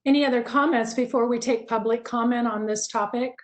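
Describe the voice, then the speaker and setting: A woman's voice: on the high side, steady tone, brisk. A woman chairing a school board meeting, politely handing the floor to a colleague and correcting herself.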